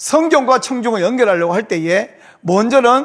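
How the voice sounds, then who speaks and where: A man's extremely high-pitched voice with lively intonation. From Gyeongsang province, South Korea. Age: 60s. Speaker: pastor. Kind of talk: lecture.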